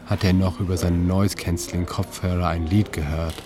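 A man reading his own literary narration in a calm, measured way, with slow deliberate pauses. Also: low-pitched. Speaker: narrator and author. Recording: narration over music.

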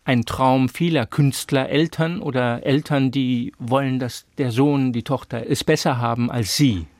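A male interviewer asking calm, brief questions to prompt his guest. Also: medium pitch, a little slow, no room sound. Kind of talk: radio interview.

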